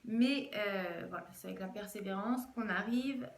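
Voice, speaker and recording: A woman's voice: mid-range voice, moderate pace, creaky, roomy sound. A woman vlogger chatting casually through a jewelry haul, hesitant and full of fillers. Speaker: fashion vlogger.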